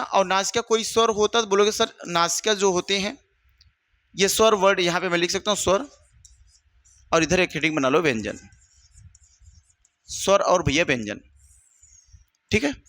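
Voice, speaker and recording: A male teacher leads an exam-prep grammar lesson with a high, bright voice. He fires questions at his students, answers them himself and keeps calling them "my brother." The sound is close and dry. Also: normal speed, pauses often, no echo.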